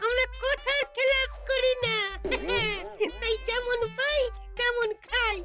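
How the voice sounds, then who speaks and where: A woman playing a cheeky little child trickster in a cartoon, squeaky and teasing. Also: slow, full character voice. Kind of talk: cartoon voice acting. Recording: loud music behind the voice.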